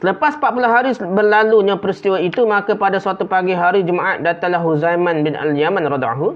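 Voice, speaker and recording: Quick high-voiced male lecturer. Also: dull audio. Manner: quick storytelling with blunt asides. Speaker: religious lecturer. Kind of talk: religious lecture, reading a story with comments.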